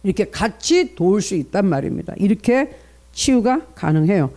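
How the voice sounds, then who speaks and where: A man's voice: high-pitched, very animated, normal speed, warm tone. A middle-aged male pastor giving an early-morning prayer sermon, preaching earnestly and reading scripture aloud. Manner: earnest preaching, reads scripture aloud, acts out parents' inner voices.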